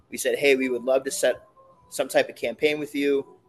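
A man talking at a fairly quick pace, music in the background. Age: 30s. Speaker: digital marketing expert and entrepreneur. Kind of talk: podcast interview.

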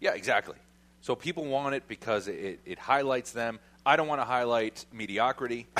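A man is speaking at a fairly quick pace. His tone is bright and sharp. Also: medium pitch for a man, ordinary pitch variation. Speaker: cigar podcast co-host. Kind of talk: casual chat. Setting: studio.

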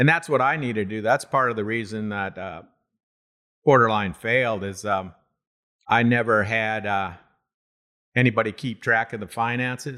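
Pausing long and often, a man speaks in a bright, sharp tone on a very clean recording with a silent background. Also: medium pitch for a man, ordinary pitch variation, moderate pace. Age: 60s. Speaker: retired skate and snowboard shop owner. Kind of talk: casual interview. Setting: at home, living room. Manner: distinctive cadence often imitated.

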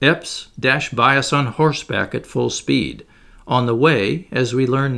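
This is plain reading aloud. The words are read straight through.

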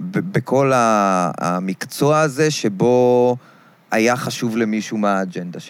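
The recording is very clean and the background silent. A man talks very slowly, his intonation lively. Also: medium pitch for a man. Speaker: screenwriter and satirist. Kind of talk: casual chat.

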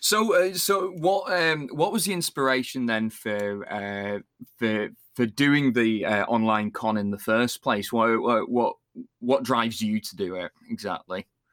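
Speaking in a northern English accent, this voice moves at a fairly slow pace with very wide pitch swings, dry and close with no echo. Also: man, medium pitch for a man. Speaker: podcast host. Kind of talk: casual chat. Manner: loud.

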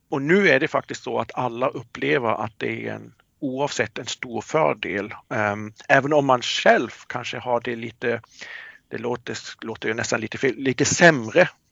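The speaker is a man with a medium pitch. Vocal fry runs through his voice. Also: ordinary pitch variation, moderate pace. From southern Germany. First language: German (speaking Swedish). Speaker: hospital physician. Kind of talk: interview. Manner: halting.

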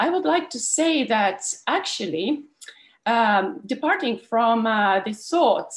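A woman's fairly high, somewhat breathy voice at a fairly slow pace, with very wide pitch swings. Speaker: former parliamentarian. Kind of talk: panel remarks.

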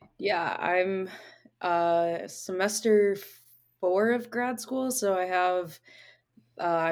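A woman's medium-pitched voice, a normal speaking voice with ordinary pitch variation, on a very clean recording with a silent background. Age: 20s. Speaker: grad student and behavior technician. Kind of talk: personal testimony in interview.

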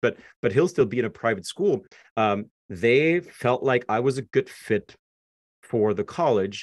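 A man's lively, bouncing intonation with a German accent. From Germany. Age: 30s. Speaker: education testing executive and former teacher. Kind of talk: podcast interview.

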